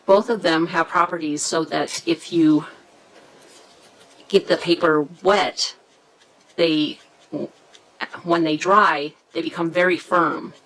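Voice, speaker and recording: A woman hosting a casual craft tutorial, chatty and hesitant, often pausing to search for words. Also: on the low side, fairly even intonation, fairly bright tone, low-quality recording. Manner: chatty, self-deprecating about pronunciation.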